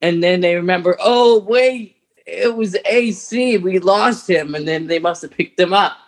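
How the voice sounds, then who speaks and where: A man's voice: sits high, measured pace. A man co-hosting a podcast, chatting casually and informally as an enthusiastic fan of sci-fi books. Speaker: podcast co-host.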